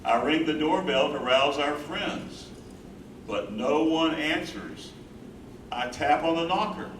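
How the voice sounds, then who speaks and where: A man's voice: a little high, slow pace. A man playing a devoted, reflective husband who cares for his wife, in a dramatic staged reading. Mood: haunted, reflective. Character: devoted husband and carer, loving, troubled, reflective. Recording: echoey distant stage recording, clear noise.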